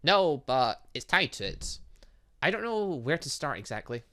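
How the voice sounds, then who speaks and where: A man's voice: on the high side, sing-song, moderate pace, pushed and bright. A man voicing an earnest, polite young robot girl devoted to her father, reading from a visual novel. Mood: hesitant.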